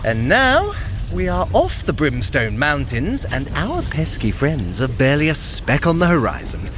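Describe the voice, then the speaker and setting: A man playing a vain, clever trickster god in an audio adventure, boastful and dramatic, quick to turn petulant. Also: a little high, huge pitch swings, over music. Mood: breezy, smug.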